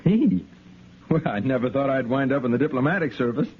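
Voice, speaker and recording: An actor playing a calm, firm and good-humored army lieutenant in a 1950s radio drama. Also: male voice, mid-range voice, a little fast, close to an everyday voice. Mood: steady. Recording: tinny, hissy 1950s radio broadcast.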